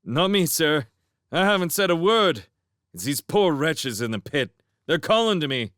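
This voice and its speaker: A man's voice: a little high, very animated, a little slow, fairly bright tone, dry recording, voice pushed up. A man voices a crafty young male otter in a storybook reading. He plays the innocent with a raised, pleading tone, then drops to a conspiring whisper, on a dry close mic.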